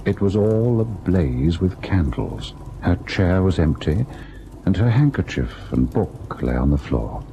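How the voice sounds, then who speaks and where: An actor playing a haunted husband who tells and relives a ghost story in a grave, deliberate radio drama style. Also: male voice, low voice, very animated, mellow, heavily acted. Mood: tense. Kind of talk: old-time radio ghost story acting, narrating and in scene. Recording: noisy old radio drama recording.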